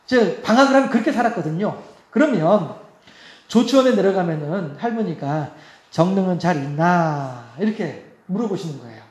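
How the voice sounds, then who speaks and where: A man's voice: high voice, expressive, moderate pace. A man preaching a sermon as pastor, in a chatty way, laughing often and asking the congregation rhetorical questions. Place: church sanctuary. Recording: echoey church hall.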